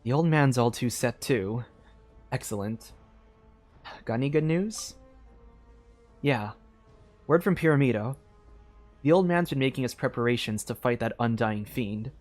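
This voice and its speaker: Earnest fantasy game fighter, acted by a male streamer, mid-pitched, scripted delivery, music underneath. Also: expressive, a little slow, pauses often, darkish tone, close to an everyday voice. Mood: businesslike. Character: earnest game characters discussing battle preparations. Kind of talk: cold-read game dialogue.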